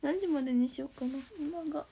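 A woman's voice: high-pitched, fast, vocal fry, dark tone, slight background noise. A young woman, sleepless after no night's rest, chatting casually on a phone livestream, thanking viewers in a chirpy voice and sometimes whispering. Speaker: idol trainee livestreamer. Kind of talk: casual livestream chat reading viewer comments. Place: indoors at home.

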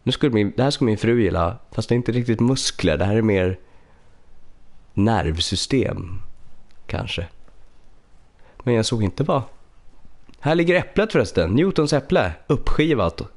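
Speaking in a mid-range, slightly mellow voice, this streamer gives expressive, casual commentary on a puzzle game with long pauses as he thinks aloud and talks to viewers. A cold leaves him slightly congested, and he records on a USB studio mic.

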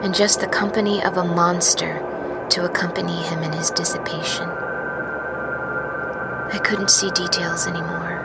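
A woman playing a weary, haunted truck driver, musing in a hushed, halting monologue for a fiction podcast. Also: on the low side, little pitch movement, vocal fry, over loud music. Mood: anguished. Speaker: narrator of serial fiction podcast. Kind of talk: dramatic first-person audio fiction monologue.

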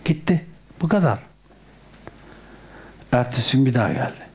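A man, a Sufi sheikh, giving an unhurried religious talk with storytelling that often sinks to a soft murmur. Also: mid-range voice, big pitch swings, vocal fry, slight background noise.

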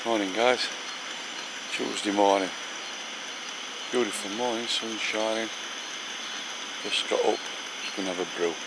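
A man's voice: on the low side, fairly even intonation, unhurried, long pauses. Brief: middle-aged man, friendly banter, camp vlog on camera mic, noisy outdoors. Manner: chatty, affectionate banter. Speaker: vlogger filming a camping trip. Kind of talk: casual chat to camera. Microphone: handheld camera, selfie distance. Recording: outdoor camera audio with clear background noise.

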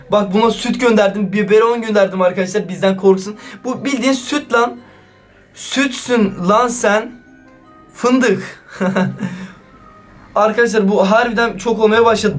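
High-voiced excitable male YouTuber. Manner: excitable, slangy, keeps addressing viewers. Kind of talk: casual gaming vlog commentary.

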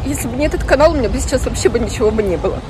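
A woman's voice: on the high side, animated, rapid-fire. A woman in her thirties, a fashion vlogger, talking earnestly and emotionally to camera outdoors, upset after crying. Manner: earnest, emotional, defensive, speaks straight to viewers. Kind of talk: casual vlog monologue to camera. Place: outdoor city park square. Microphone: phone held at arm's length. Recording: phone audio with street traffic noise.

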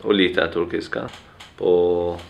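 A man in his twenties from Syria with an Arabic accent, answering haltingly as he searches for words. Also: low voice, steady tone, creaky, slight background noise. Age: 20s. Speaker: interviewee, young migrant. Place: small plain room. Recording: dull, muffled camera sound.

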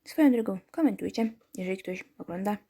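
A woman's voice: medium pitch, expressive, fairly quick, mellow, breathy edge. Chatty woman reading a story game. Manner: chatty, wry asides to viewers. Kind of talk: let's-play reading with chatty commentary.

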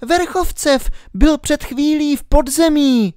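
A man voicing a curious, brave little girl who calls out in a high childlike voice. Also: lively intonation, dry recording, studio quality. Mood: alarmed.

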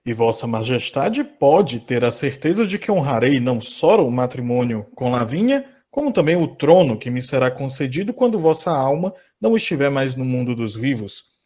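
Man as proud Brazilian suitor king, audio drama. Husky, formal, very lively intonation. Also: medium pitch, normal speed. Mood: honored, eager. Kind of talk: comedic audio drama acting.

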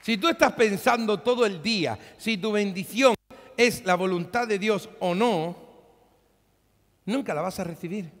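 A male pastor preaching a sermon in a church, animated and dramatic, acting out scenes as he speaks. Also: high voice, unhurried, some chatter behind. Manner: animated preaching, acts out biblical dialogue. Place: church hall. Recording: long reverb of a large hall.

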